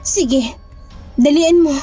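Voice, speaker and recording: Woman doing possessed young woman, Filipino accent, eerie, flat, high pitch, dark tone. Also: slow pace, faint music behind. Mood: cold. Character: possessed young woman under aswang spell.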